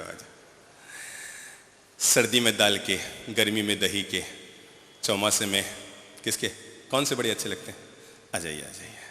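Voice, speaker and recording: A man's voice: mid-range voice, bright, forceful tone. A man preaching a live sermon in a large stadium, playfully coaxing people from the audience and quizzing them. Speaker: spiritual preacher. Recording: echoey stadium hall reverb.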